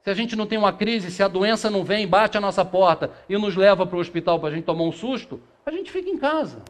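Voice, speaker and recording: Middle-aged guy giving a spiritist talk, fairly high voice, asks questions then answers them, small room, camera a ways off. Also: lively intonation, fast. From Brazil. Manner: rhetorical questions answered himself, reading passages aloud, gesturing. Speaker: spiritist lecturer. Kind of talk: lecture to a seated audience. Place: small meeting room with a projector screen. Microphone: far camera, no handheld mic.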